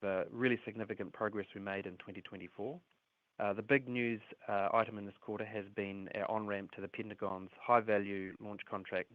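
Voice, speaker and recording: A man presenting company results as an executive on an earnings call, reading prepared remarks in a measured way. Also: on the low side. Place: conference call relayed on a livestream. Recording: roomy, phone-like earnings call line.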